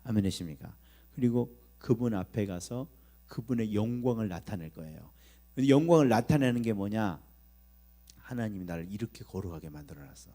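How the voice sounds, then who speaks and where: A man's voice: on the low side, expressive, brisk, warm tone. A man preaching a sermon at a church prayer service, emphatic, often calling for amen and acting out inner voices. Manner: emphatic, repeatedly asking the congregation for amen; acts out quoted inner voices in first person. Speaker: pastor. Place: church sanctuary. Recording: mains hum behind the voice.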